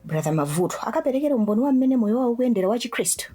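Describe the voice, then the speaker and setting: A woman's voice: a little high, expressive, racing, warm tone, husky. An actress playing a trusting, pious young churchwoman in a radio drama, with a Malawian accent. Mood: friendly, pious. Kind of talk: vernacular radio drama acting.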